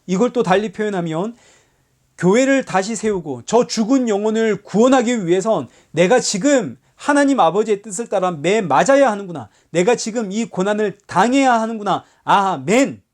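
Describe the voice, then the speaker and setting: A male pastor preaching a sermon, asking rhetorical questions and swinging between loud outbursts and hushed passages. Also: sits high, expressive, moderate pace.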